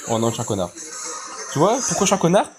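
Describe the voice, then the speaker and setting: A man with a fairly high voice gives live commentary as he plays a video game. He talks in casual, crude slang, repeating himself excitably and swinging up into high-pitched exclamations. Faint music plays behind him. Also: rapid-fire. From Congo.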